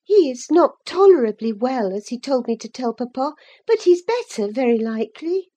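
A woman's voice: sing-song, normal speed, warm tone. A woman reading a novel aloud, voicing a spirited, impatient young woman in a raised, insistent tone. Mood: eager. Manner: high, eager and insistent. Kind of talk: audiobook character voice.

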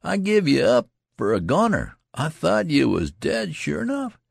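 An eager, loud young soldier whose voice shoots up high and swings wildly between exclamations, as a male audiobook reader puts him on. The tone stays gravelly and husky underneath, in a dry recording. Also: measured pace, no room sound, exaggerated voice. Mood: excited. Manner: high, breathless, excited exclamations.

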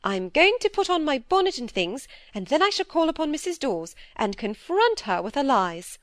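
A woman voicing a severe, brisk elderly spinster who speaks in a commanding, impatient way. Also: high voice, sing-song, fairly bright tone, dry recording, clean studio sound, pitched above the performer's own voice. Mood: indignant.

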